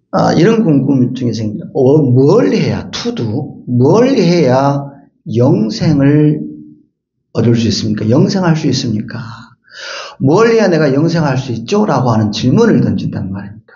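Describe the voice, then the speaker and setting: A man's fairly high voice at a fairly slow pace with very wide pitch swings, audible room echo and music in the background. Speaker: pastor. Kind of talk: sermon. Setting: church.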